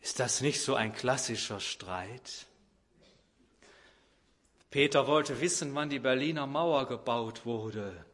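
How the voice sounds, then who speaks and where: A man's voice: mid-range voice, slow, pauses often, fairly bright tone. A man preaching a sermon who illustrates his point with an everyday story and acts out the people in it.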